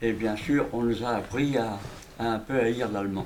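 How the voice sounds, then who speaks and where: Speaking at a fairly slow pace, a man is heard with audible echo from the room. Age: 90s. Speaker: war veteran. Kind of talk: testimony.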